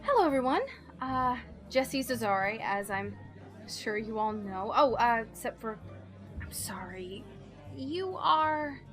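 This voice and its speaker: A woman's voice: a little high, slow pace, a bit bright, soft background music. A woman playing an awkward, polite fundraiser guest in an audio drama, speaking hesitantly. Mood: flustered politeness. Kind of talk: full-cast audio drama acting.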